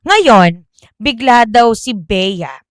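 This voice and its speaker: Lively, chatty woman telling a ghost story. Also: fairly high pitch, very slow, no echo. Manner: chatty, self-correcting, Taglish. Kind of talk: casual horror storytelling.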